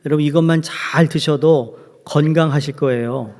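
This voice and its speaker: A man's voice: a little high, normal speed, darkish tone. A man preaching a sermon as pastor, joking with his congregation. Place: church sanctuary. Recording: long hall reverb.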